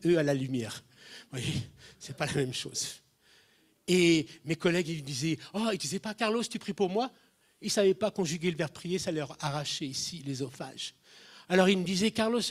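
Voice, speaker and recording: A man, preaching to a congregation and telling funny stories, acting out the voices of people he quotes. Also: high voice. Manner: animated, acts out quoted voices, jumps in loudness. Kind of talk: humorous sermon storytelling.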